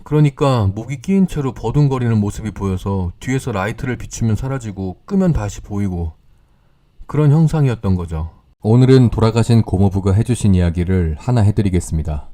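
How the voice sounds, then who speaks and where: A man calmly narrating scripted horror stories in a measured, storytelling way. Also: on the low side.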